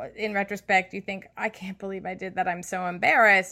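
A woman talks at a medium pitch in a bright, sharp tone. The recording is very clean, with a silent background. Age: 40s. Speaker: therapist and podcast co-host. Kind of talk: casual chat.

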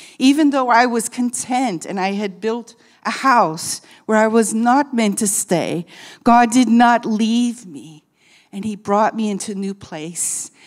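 A woman with an American accent speaks in a normal speaking voice, fairly high-pitched, at a fairly slow pace, with ordinary pitch variation and big swings in loudness, on a very clean recording with a silent background. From US Midwest. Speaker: missionary preacher. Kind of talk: testimony. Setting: church.

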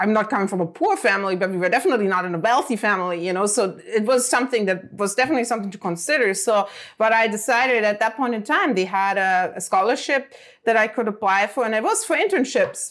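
A woman with a German accent talks at a very fast pace with hardly any pauses, her fairly high voice showing ordinary pitch variation. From Germany. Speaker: animation rigging artist and studio head. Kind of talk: casual interview chat. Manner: hesitant, many fillers.

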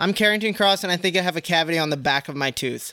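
A bright, sharp voice goes at a very fast pace on a very clean recording with a silent background. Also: man. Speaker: podcast co-host. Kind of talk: casual banter. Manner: joking, chatty.

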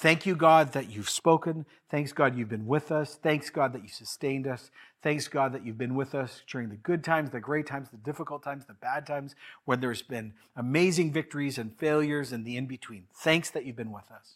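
Over a silent background in a very clean recording, a man with a plain, everyday voice talks at a fairly quick pace, his pitch fairly high with ordinary variation and his loudness swinging widely. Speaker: pastor. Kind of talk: sermon; fervent closing prayer, sermon. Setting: church. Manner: earnest, pleading, fervent.

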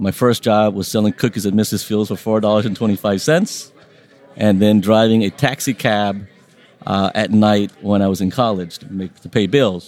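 Speaking in a Southern Californian accent, a man talks at a moderate pace with a fairly low pitch and fairly even intonation. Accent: Southern California American. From Long Beach, California, US (Vietnamese family). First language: Vietnamese. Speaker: trial attorney. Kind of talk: podcast interview. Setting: convention hotel recording.

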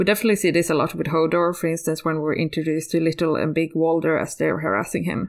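Heard on a very clean recording with a silent background, a woman speaks at a very fast pace with vocal fry. Her pitch is fairly low, and her intonation stays fairly even. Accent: Swedish. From northern Sweden. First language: Swedish. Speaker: podcaster and fan blogger. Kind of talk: podcast analysis discussion.

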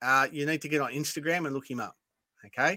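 A man's fairly high voice with a bright, sharp tone, in an Australian accent. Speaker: podcast host. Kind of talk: casual chat. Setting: video call.

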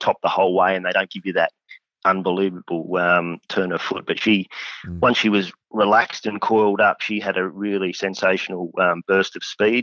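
The speaker talks with an Australian accent. The intonation is monotone and flat. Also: man. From Australia, Northern Territory (Alice Springs). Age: 40s. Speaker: jockey. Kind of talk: interview. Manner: halting, many fillers.

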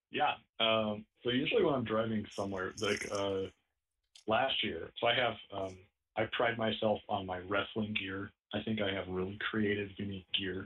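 A plain, everyday voice from a man with an American accent, fairly low in pitch, at a moderate pace with fairly even intonation. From Omaha, Nebraska, US Midwest. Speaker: pro wrestler and artist. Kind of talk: casual interview chat, storytelling.

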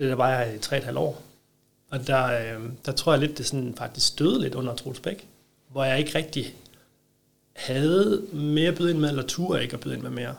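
Speaking at a moderate pace with long, frequent pauses, a man uses a medium pitch, ordinary pitch variation and vocal fry. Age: 40s. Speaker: football fitness coach. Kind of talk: interview. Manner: hesitant, many filler sounds.

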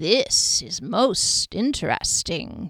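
This is a put-on character voice. It sounds raspy and hissing. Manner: nonchalant, enunciating slowly.

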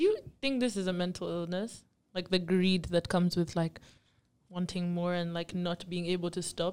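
The speaker has an unremarkable speaking voice. Intonation stays fairly even at a moderate pace. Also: woman, fairly low pitch for a woman. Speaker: podcast guest. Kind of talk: casual chat.

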